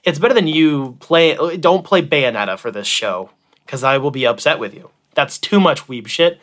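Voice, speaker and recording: A man's voice: on the high side, animated, moderate pace, fairly bright tone. A man hosting a podcast in casual, profane banter, rambling and joking with a sarcastic streak. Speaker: podcast host.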